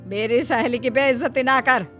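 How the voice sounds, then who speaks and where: A woman's voice: fairly high pitch, steady tone, moderate pace, sharp tone, soft background music. A woman voicing a spiteful middle-aged mother-in-law who sneers and scolds. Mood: scornful. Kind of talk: dramatized story voice.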